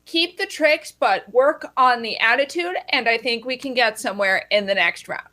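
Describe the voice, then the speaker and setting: A woman's voice: on the high side, normal speed, pushed and bright. A woman improvising a judge over a video call, rambling and hedging with many filler phrases. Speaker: improv performer playing a judge.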